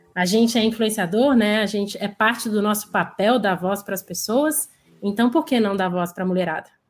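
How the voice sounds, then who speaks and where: A woman at medium pitch with a slight Minas Gerais accent, a fairly quick pace and ordinary pitch variation, in a very clean recording with a silent background. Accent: slight Minas Gerais (mineiro). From Minas Gerais, Brazil. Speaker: designer and podcast co-host. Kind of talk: casual podcast chat.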